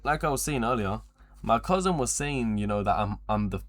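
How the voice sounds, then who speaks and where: A man's voice: on the low side, expressive, a little fast, fairly bright tone. A twenty-year-old man chatting casually on a livestream in a rambling, slangy, repetitive way, with frequent swearing. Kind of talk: casual livestream chat to viewers.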